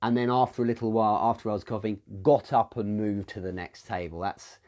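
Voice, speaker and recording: British male host, lowish voice, unscripted, self-correcting live Q&A delivery. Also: fairly quick, a little mellow. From United Kingdom. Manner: thinking aloud, frequent restarts and self-corrections. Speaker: host answering business questions.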